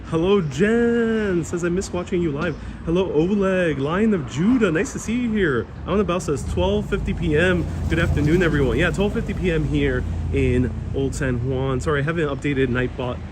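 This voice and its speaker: Man with a Queens Hispanic accent, Spanish first language, slightly higher voice; relaxed live tour host on a phone mic, noisy outdoor street. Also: normal speed, hardly any pauses. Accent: Queens Hispanic New York. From Puerto Rico, raised in New York. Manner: relaxed, chatty, reads out viewer comments. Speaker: walking tour livestream host. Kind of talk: casual live walking tour, chatting with viewers. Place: outdoors on a town street with passing traffic. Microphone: phone-mounted mic while walking.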